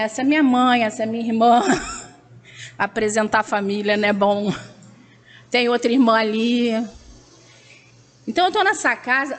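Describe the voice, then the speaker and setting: Thirties woman, teacher giving a chatty public testimony, bright higher register. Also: long reverb tail. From Brazil. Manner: chatty, joking, loud-voiced. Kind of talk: public talk at a spiritist center. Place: meeting hall.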